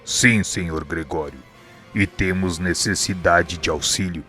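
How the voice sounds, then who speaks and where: A man playing a calm, wise, humble spirit guide in a radio drama, speaking in a measured, formal, explanatory way. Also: low-pitched, faint music behind. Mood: humble, respectful.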